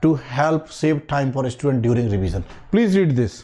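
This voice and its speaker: An English teacher for bank exams, speaking with an Indian accent, teaches English idioms in an online exam-prep lecture. He switches between Hindi and English, repeats phrases slowly, and asks students whether they understood. His medium-pitched voice is sing-song and warm.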